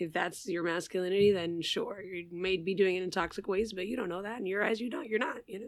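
In an American accent, a woman of medium pitch talks very fast with hardly any pauses and ordinary pitch variation. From New York City. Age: 30s. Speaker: podcast co-host. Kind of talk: casual chat.

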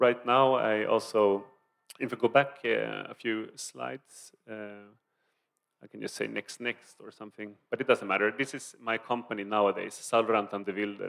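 A normal speaking voice at a moderate pace, with fairly even intonation and big swings in loudness. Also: man. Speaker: director and choreographer. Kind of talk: panel presentation.

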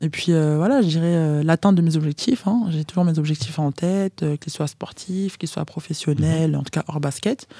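Dark and mellow, a woman's very deep, low voice moves with ordinary pitch variation and hardly any pauses. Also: moderate pace. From Paris region, France (Créteil). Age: 20s. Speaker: professional basketball player. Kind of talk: interview.

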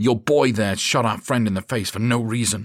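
A man puts on a shrill character voice at medium pitch, moving at a moderate pace with fairly even intonation. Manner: yelling.

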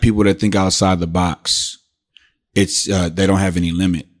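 A man speaks with an American accent in a fairly low-pitched voice. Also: very clean recording, silent background. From Texas. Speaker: videographer and podcaster. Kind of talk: casual chat.

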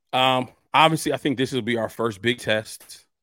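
A man talking with fairly even intonation. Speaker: football analyst. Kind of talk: casual chat; film breakdown. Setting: video call.

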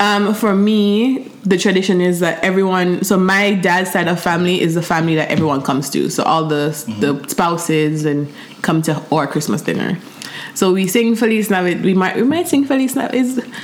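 A woman at medium pitch talks fairly quickly with lively intonation and very even loudness, amid noticeable background noise and audible room echo. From Jamaica. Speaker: podcast co-host. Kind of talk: casual chat.

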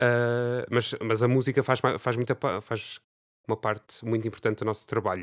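A man talks at a moderate pace in a medium pitch with monotone, flat intonation. The sound is dry and close with no echo, on a very clean recording with a silent background. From Portugal, Fundão (Beira). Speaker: podcast host. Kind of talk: casual interview chat.

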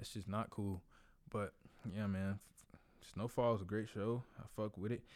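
Recorded very cleanly against a silent background, a man speaks at a moderate pace in a dark, mellow tone. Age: 20s. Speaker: podcast host. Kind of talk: casual chat.

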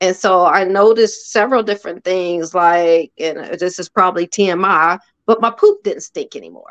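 A plain, everyday voice with an American accent speaks at a moderate pace with ordinary pitch variation, in a dry, close sound with no echo over a quiet background. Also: woman. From Ohio. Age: 50s. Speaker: corporate manager and travel consultant. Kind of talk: casual chat.

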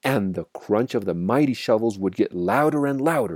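The delivery is a natural reading voice. Intonation is lively.

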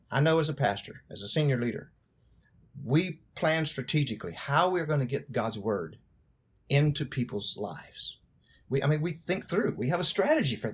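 Somewhat breathy, a man speaks at a fairly quick pace on a very clean recording with a silent background. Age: 60s. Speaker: pastor. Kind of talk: interview.

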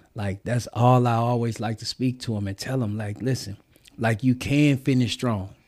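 In a very clean recording with a silent background, a man with an American accent speaks at a medium pitch. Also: moderate pace. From Louisiana, Baton Rouge. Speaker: minister and motivational speaker. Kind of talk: testimony.

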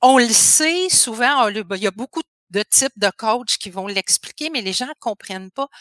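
A woman with a Quebec accent, high-pitched, bright and sharp in tone, on a very clean recording with a silent background and a dry, close sound with no echo. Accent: Québécois French. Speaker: voice coach. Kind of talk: interview.

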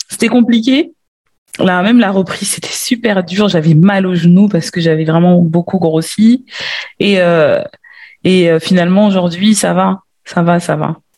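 A woman with a medium pitch and a dark, mellow tone speaks at a fairly slow pace with ordinary pitch variation, leaving long, frequent pauses. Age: 30s. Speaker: business lawyer and coaching client. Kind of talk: interview. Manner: halting.

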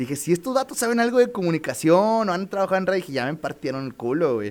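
A man's very fast speech with lively intonation. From northern Mexico, Piedras Negras, Coahuila. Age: 30s. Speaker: radio host. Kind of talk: casual chat.

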